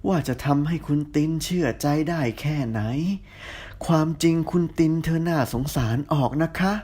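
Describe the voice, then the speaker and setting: A gentle older housekeeper speaks quietly and politely, as a woman reads her part. Her voice sits a little lower and softer than the narrator's. She sounds patient and soothing. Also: moderate pace. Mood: calm.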